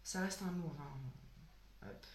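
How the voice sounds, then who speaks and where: Hoarse-voiced woman chatting in an echoey room. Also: low-pitched, slow pace, slight background noise. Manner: chatty, sniffling, trailing off with many fillers. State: sick, hoarse voice. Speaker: beauty vlogger. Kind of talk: casual product haul.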